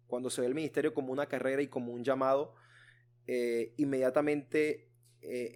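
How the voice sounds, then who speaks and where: A man speaks in a fairly high voice with a flat, monotone delivery. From Colombia, Riohacha (Caribbean coast). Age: 20s. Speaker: pastor. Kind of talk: interview podcast.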